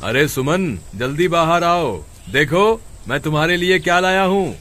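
A man's voice: a little high, lively intonation, unhurried, fairly bright tone. Man voicing a kind earnest village farmer. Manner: earnest, caring.

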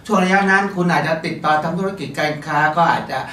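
A man's voice: a little high, fast, fairly bright tone. A man co-hosting a fortune-telling show, talking casually with hesitant fillers. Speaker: fortune teller co-host. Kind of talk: casual talk. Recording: roomy, distant mic, faint noise.

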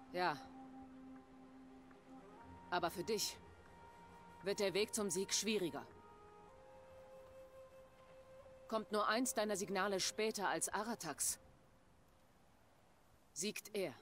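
An actress playing a commanding tribal hunt leader who announces a contest with ceremony. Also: female voice, mid-range voice, slow, pauses often, soft background music, close to an everyday voice. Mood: stern.

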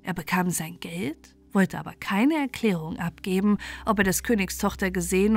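A woman reading a bedtime fairy tale as an expressive, measured storyteller. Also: mid-range voice.

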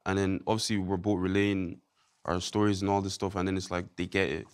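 A young man from Ireland chats as a guest in a casual interview. He talks quickly in a fairly low voice, rambling and laid-back, with plenty of fillers. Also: little pitch movement, clean tone.

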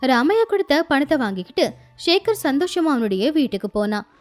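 A woman's voice: sits high, sing-song, brisk, soft background music. A woman narrating a moral story for a children's channel in a storytelling manner.

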